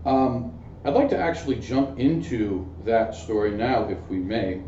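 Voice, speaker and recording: A man hosting an interview, asking his questions in a soft-spoken, measured, slightly hesitant way. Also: medium pitch, a little hiss or hum. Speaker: interview host. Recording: distant mic in an echoey room, dull.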